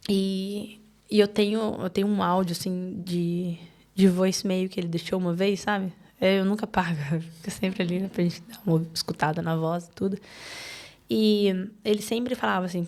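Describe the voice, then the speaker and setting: Brazilian woman guest on a podcast, gravelly voice, halting and emotional, keeps restarting. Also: mid-range voice, darkish tone. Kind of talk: emotional personal storytelling.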